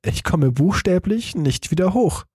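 A man's voice: sits high, expressive, a little slow, a little mellow, husky, no room sound, clean studio sound, voice pushed up, heavily acted. A man voicing a hurt, helpless father who speaks soothingly and apologetically, in an audiobook reading. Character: injured father, gentle and helpless.

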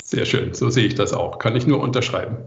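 An older man giving relaxed answers as an interview guest. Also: fairly low pitch, fairly quick, gravelly. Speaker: composer interviewed as podcast guest. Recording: muffled, roomy, echoey remote recording.

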